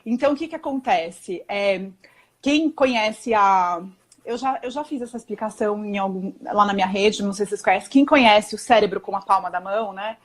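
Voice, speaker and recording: A young woman with a Brazilian Portuguese accent, explaining parenting ideas in a casual chat and often checking in with tag questions. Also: medium pitch. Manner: chatty, peppered with tag questions and quick self-corrections. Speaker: parenting guest on a live stream.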